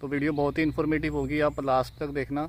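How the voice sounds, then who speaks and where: A man speaks in a fairly high pitch at a moderate pace. His intonation is flat and monotone. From India, Punjab (Patiala). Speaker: student vlogger. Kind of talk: informal tutorial vlog.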